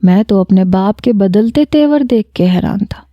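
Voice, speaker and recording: A woman narrating a first-person romantic story with a lively, expressive reading. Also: mid-range voice, no room sound, dull audio.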